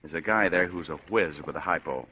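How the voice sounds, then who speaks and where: A man's voice: sits low, fairly quick, breathy edge. An actor playing a hard-boiled male private eye with dry wisecracks and tough slang, in 1940s radio acting. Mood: wry. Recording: dull lo-fi old radio broadcast.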